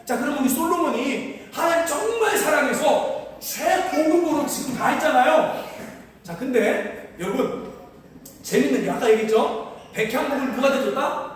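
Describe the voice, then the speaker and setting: A male pastor preaching a sermon, asking the congregation questions and telling stories in a lively way. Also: very high voice, normal speed, a little hiss or hum. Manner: animated, asks the congregation questions. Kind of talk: sermon with storytelling. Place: church sanctuary. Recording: distant mic in echoey hall.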